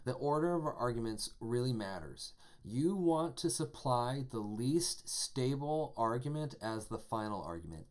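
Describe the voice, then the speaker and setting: A man teaching a live-streamed programming lesson, talking casually and enthusiastically with lots of fillers as he types code. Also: mid-range voice. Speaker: programming instructor.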